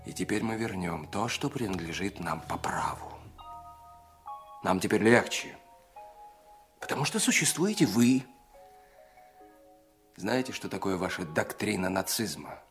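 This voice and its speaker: An actor in an audio play voicing a cunning, embittered spy with a deliberate, theatrical delivery that moves between hushed and emphatic. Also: male voice, lowish voice, vocal fry, full character voice. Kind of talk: dramatic audio play acting. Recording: music under the voice. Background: music.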